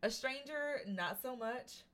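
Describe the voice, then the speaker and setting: A young woman co-hosting a casual chat, expressive and fond of acting out what people say. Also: high-pitched, slow pace. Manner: expressive, acts out quotes. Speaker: podcast co-host.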